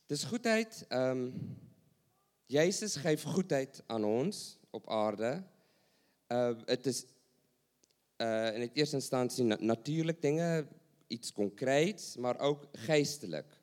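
A man delivers a sermon at an unhurried, deliberate pace. He asks questions aloud and repeats key phrases to drive each point home. His voice sits at an ordinary middle pitch. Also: animated, darkish tone. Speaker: preacher.

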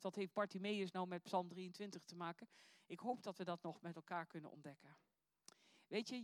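A woman's voice: medium pitch, dry recording. Earnest woman preaching. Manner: earnest, musing, reflective with searching questions. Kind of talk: sermon with scripture reading.

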